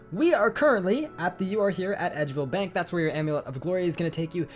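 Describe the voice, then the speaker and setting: A man hosting a video game guide voice-over, slightly congested, upbeat and chatty with his viewers. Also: on the high side. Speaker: gaming guide host.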